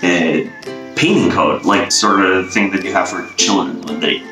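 A man's voice: deep voice, pushed and bright. Playful young Swedish man in echoey room. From Sweden. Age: young adult. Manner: playful, laughing often, sounding out words slowly. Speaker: YouTuber. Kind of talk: casual quiz vlog. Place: small bare room indoors. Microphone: webcam framing, head and shoulders. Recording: echoey bare room, faint guitar music.

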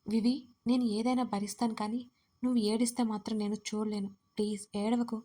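A woman voicing a devoted young man in an audio story, speaking softly and soothingly. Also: a little high, level tone, a little fast, close to an everyday voice. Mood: tender. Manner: soft, soothing, tender pleading.

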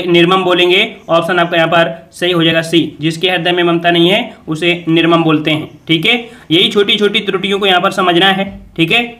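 Bright high-voiced exam tutor. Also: male voice. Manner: repeats answers as questions to the viewers, brisk and coaxing. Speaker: exam coaching teacher. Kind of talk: quiz-style exam revision lesson.

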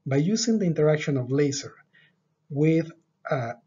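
A middle-aged man with a slightly raised, husky voice gives a measured, scripted research overview. His tone is mellow. He is recorded on a desk webcam with dull, lo-fi sound. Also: fairly high pitch, expressive. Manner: measured, deliberate delivery with occasional filler pauses. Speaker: lab director giving a research overview. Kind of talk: scripted presentation. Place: office with a whiteboard.

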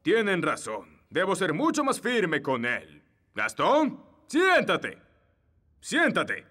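A man's voice: high voice, wildly swooping pitch, slow, sharp tone, exaggerated voice. An actor with a Latin American Spanish accent playing a pompous, easily flustered middle-aged fairy king and father in a children's cartoon. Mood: confident.

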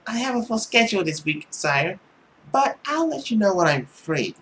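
Haughty young lady performer, played by a man: raised pitch, arch and drawn-out, teasing, visual-novel game character. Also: very animated, a bit bright, slight background noise, full character voice. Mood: coolly polite.

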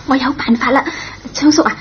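An earnest young schoolgirl, acted by a woman, speaks in a very high, pleading voice. It is radio drama acting, on a dull lo-fi recording. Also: steady tone, fairly quick, slight background noise, lightly acted. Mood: eager, persuasive.

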